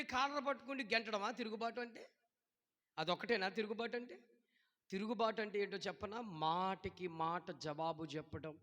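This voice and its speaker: A man preaching in a high, piercing voice, throwing questions at his congregation and now and then breaking into a shout. The sound rings with the long echo of a church hall. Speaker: pastor. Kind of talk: sermon.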